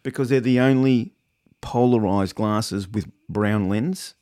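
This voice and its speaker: A man's voice: fairly low pitch, takes it slowly, warm tone. A man with an Australian accent chatting casually as a podcast co-host, in a laid-back, colloquial way. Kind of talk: casual chat.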